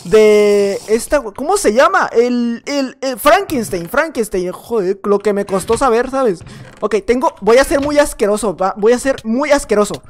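A young man giving excitable gameplay commentary at home, chatting nonstop, repeating words and breaking into shouts. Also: extremely high pitch, measured pace. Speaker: gaming YouTuber. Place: at home at night.

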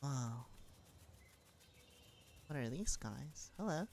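A VTuber streamer giving casual, excitable commentary while playing a game. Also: medium pitch, drawn-out words, gravelly, noisy background. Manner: chatty, excitable.

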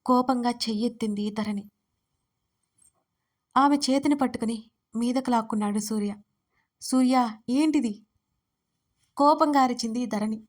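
A woman narrates her own storybook in a steady, even way. Her voice sits somewhat high. She reads the lines clearly as writer and narrator. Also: moderate pace, long pauses.

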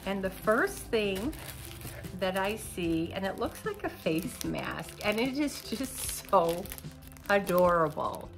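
An older woman in her sixties talks to the camera from her living room, her voice a bit nasal from a cold. She rambles at an unhurried pace with plenty of ums. Soft music sits faintly behind her. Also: mid-range voice, big pitch swings, creaky. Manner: chatty, rambling with fillers, seated talking to camera. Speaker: unboxing vlogger. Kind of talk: casual chatty unboxing. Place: living room at home, indoors.

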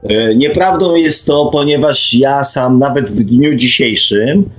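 A man's voice: mid-range voice, unhurried. A man in a casual debate, speaking emphatically and often checking for agreement with short tag questions. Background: faint music.

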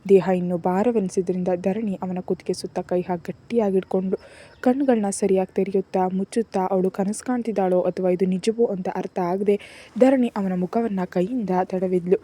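A woman narrating a serialized romance novel in a steady, soft storytelling manner. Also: medium pitch, normal speed, husky. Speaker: audiobook narrator.

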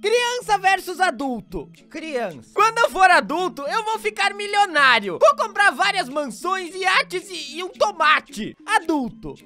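A woman voicing a cheeky, vain cartoon boy who pranks his friend, squeaky and excitable. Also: a little slow, hardly any pauses, faint music behind, heavily acted. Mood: excited.

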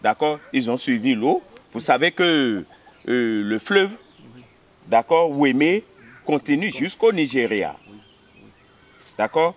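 A man in his fifties from Benin, a history teacher, telling village history in an outdoor interview, pausing on fillers and often checking he is understood. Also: mid-range voice, animated. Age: 50s. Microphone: camera at close range.

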